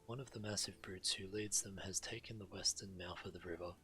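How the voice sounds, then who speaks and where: A man's voice: sits low, fairly even intonation, a little fast, bright, forceful tone. A man voicing a proud, grave walrus-folk tribal hunter in a video game, speaking solemnly and with resolve. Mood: resolute. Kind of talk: video game character dialogue.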